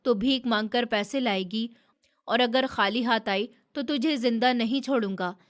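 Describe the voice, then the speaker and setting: A woman's voice: fairly high pitch, normal speed, close to an everyday voice. Woman narrator doing a cruel drunk father, harsh and threatening, in a story reading. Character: drunk, violent, gambling father.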